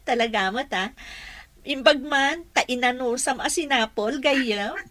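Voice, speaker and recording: A woman's voice: high voice, expressive, slow pace, a bit bright, dry recording, heavily acted. A Filipino woman playing a patient caregiver in a radio drama, politely coaxing and encouraging. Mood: pleasantly surprised. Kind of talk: Ilocano radio drama acting.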